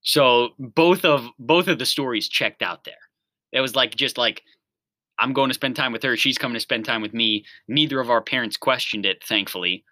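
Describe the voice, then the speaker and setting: Easygoing mid-twenties male co-host, very bright voice, dry booth sound. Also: mid-range voice, normal speed, no room sound. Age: 20s. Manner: laughs often, easygoing. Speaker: podcast co-host. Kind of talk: casual chat.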